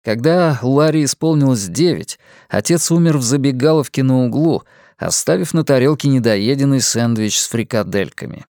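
A man narrating a novel as an audiobook in a measured, even storytelling manner. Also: medium pitch, no room sound, studio quality.

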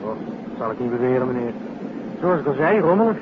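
A man's voice: mid-range voice, lively intonation, fast talker, close to an everyday voice. A man acting a cheery, chatty young servant in a 1950s radio drama, colloquial but deferential to his employers. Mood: chatty, frank. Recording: dull, noisy 1950s radio recording.

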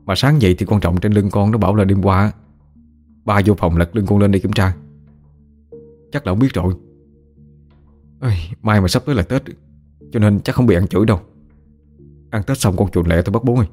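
A man's voice: fairly low pitch, fairly quick, long pauses, a little mellow, soft background music. A man reading the character dialogue of an audio story, shifting his tone from one character to the next. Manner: voices several characters, shifting his tone for each.

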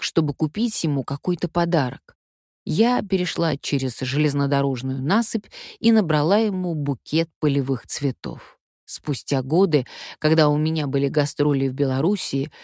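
An older actress recounts her own life with wry, lively humor, bringing her anecdotes to life as she tells them. Her voice sits low for a woman and sounds dry and close, with almost no room around it. She is from Siberia. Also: no echo. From Omsk, Siberia, Russia. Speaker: stage actress. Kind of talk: memoir storytelling.

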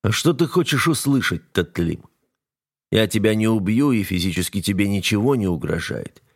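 A man's voice: lowish voice, expressive, moderate pace, breathy edge. A man voicing a cold, domineering heir to the throne who issues level, menacing warnings. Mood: commanding. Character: cold, domineering male heir, the narrator himself.

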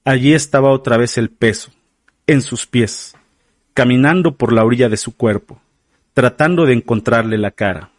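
A man narrating a literary audiobook in a slow, measured, somber way. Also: mid-range voice, no room sound, clean studio sound.

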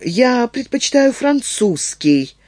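A man's voice: extremely high pitch, big pitch swings, takes it slowly, a little mellow, no room sound, voice pushed up, full character voice. A man voicing a female folklorist in an audiobook, polite and tentative in her questions.

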